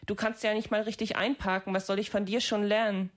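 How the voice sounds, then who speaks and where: A woman voicing a stubborn, anxious teenage farm boy in a story reading, quiet and defiant. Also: mid-range voice, little pitch movement, brisk, close to an everyday voice.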